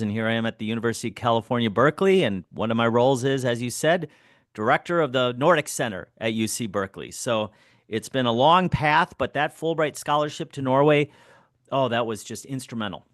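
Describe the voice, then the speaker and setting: A man's voice: mid-range voice, brisk, dry recording. Earnest man from Wisconsin, dry sound. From Wisconsin, United States. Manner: earnest, reflective. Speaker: guest, professor. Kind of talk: interview.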